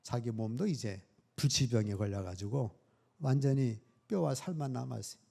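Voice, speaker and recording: A middle-aged man preaching a Sunday sermon as pastor. He acts out scenes with quoted dialogue and swings between loud emphasis and quiet asides. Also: medium pitch, normal speed, creaky, breathy edge.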